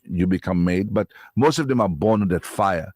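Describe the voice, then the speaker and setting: Low-voiced jovial male co-host. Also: moderate pace, darkish tone, no echo, clean studio sound. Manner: jovial, enthusiastic. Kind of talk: talk-radio banter.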